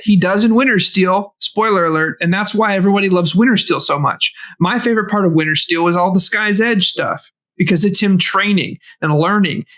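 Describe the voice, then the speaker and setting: A man's voice: high-pitched, fairly bright tone. A man co-hosting a podcast in casual chat, talking enthusiastically in bursts. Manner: enthusiastic, rants in bursts with swearing. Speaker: podcast co-host.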